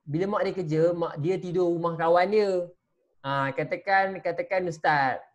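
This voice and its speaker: Animated male teacher on a video call. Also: high-pitched, normal speed, lo-fi sound. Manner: animated, talks straight to the children and asks them questions. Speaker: religious studies teacher. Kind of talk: teaching an online class, storytelling.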